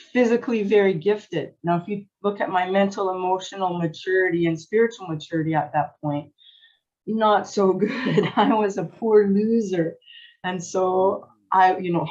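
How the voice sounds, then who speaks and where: Chatty middle-aged Canadian woman, lo-fi call. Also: medium pitch. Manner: lively, chatty, laughs often, many restarts. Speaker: guest, sport psychology coach. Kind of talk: casual interview storytelling.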